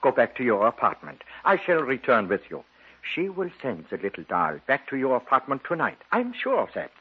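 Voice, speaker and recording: A man's voice: medium pitch, wildly swooping pitch, brisk, husky. An actor playing a formal, authoritative male occult doctor in a 1950s radio drama, on a dull old broadcast recording. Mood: grave.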